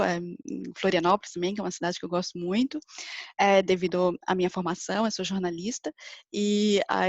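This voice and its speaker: A woman's voice: lowish voice, vocal fry, no room sound. A Brazilian woman with a Brazilian Portuguese accent, a journalist guest, introducing herself hesitantly. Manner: hesitant, many fillers. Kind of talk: self-introduction on a live talk. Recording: dull dry call audio.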